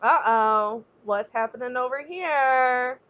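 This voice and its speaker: Dull-sounding, higher-pitched woman reading a storybook. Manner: expressive, pausing to ask young listeners questions and explain. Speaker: teacher reading a picture book aloud. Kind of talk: children's storybook read-aloud with asides to listeners.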